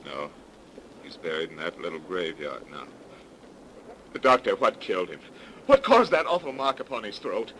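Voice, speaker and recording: A man's voice: low-pitched, sing-song, moderate pace, pauses often, a bit bright, slight background noise, low-quality recording. An actor playing an earnest young man with theatrical, emphatic delivery in 1930s radio drama style, on an old broadcast recording. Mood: anguished. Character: earnest, anxious young man fearing for his brother.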